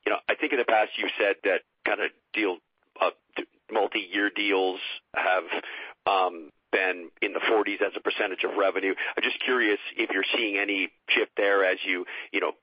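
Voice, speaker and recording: A man phoning in as a financial analyst with a casual, halting question on an earnings call. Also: sits low, no echo. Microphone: telephone. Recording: dull narrow phone line, dry.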